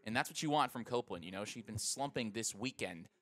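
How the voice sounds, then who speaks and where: An American man giving conversational, explanatory color commentary on a live softball radio broadcast. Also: on the low side, animated, fast.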